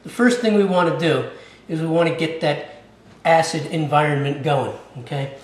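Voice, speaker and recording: Guy doing a cooking video, kinda high voice, casual and chatty, roomy echo with a little hum behind. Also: moderate pace. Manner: chatty, keeps tagging lines with "okay?". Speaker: cooking channel host. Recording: echoey room, mic a bit far off.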